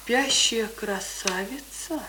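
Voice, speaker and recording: Bossy teen village girl, mocking, highish voice, noisy old radio drama. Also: slow pace. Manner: instructing, mocking. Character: teasing, bossy village teenage girl tutor. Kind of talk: radio play dialogue.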